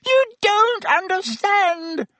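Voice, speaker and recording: A man's voice: extremely high pitch, very animated, slow pace, bright, forceful tone, no echo, pitched above the performer's own voice, heavily acted. A man voicing a cowering, cringing middle-aged male traitor, pleading and whining in gasps for an audiobook. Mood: terrified whining. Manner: pleading, gasping, whimpering.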